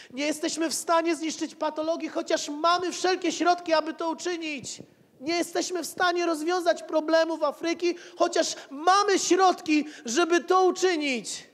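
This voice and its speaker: A man's voice: extremely high pitch, fairly bright tone. A man, preaching a sermon as pastor with rhetorical repetition and casual asides, holding a mic. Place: church hall with pews. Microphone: handheld mic. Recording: reverberant church hall.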